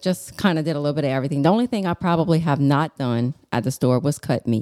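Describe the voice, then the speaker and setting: A dark, mellow tone, dry and close with no echo. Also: woman, very clean recording, silent background. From south Louisiana. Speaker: grocery store and bakery owner. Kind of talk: casual interview.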